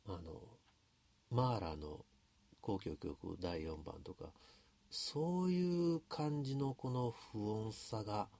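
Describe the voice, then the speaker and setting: A man's voice: fairly low pitch, animated, takes it slowly, gravelly, dark tone. A man with a Kansai accent thinking aloud as he talks through a song's lyrics in a casual, explanatory way. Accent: Kansai Japanese. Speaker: music commentator. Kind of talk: casual talk analyzing song lyrics.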